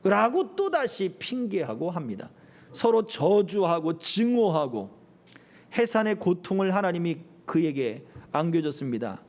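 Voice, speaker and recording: A middle-aged man preaching as pastor, with a fairly high voice that leaps and drops through wide swings. He delivers the sermon animatedly, slipping into the voices of people he quotes. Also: big pitch swings, unhurried, darkish tone.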